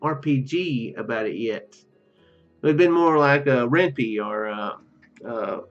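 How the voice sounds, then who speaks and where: A man giving casual, halting commentary as he plays through a game, musing aloud. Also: mid-range voice, dull audio, soft background music. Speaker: gaming video host.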